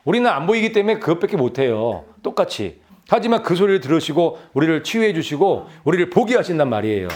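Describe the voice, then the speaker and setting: Male pastor, sermon delivery, high voice, urges the listeners with rhetorical questions and repetition. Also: very animated, fast, a little mellow. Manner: exhorting, with rhetorical questions and repeated phrases; addresses the congregation directly.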